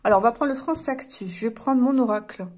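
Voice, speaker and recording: A woman's voice: a little high, quick pace, a little mellow. A woman lays out oracle cards and chats through them with her viewers. Her talk is loose and wry, full of fillers and small jokes. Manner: chatty, wry asides, many fillers. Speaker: card reader. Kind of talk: casual tarot-style card reading.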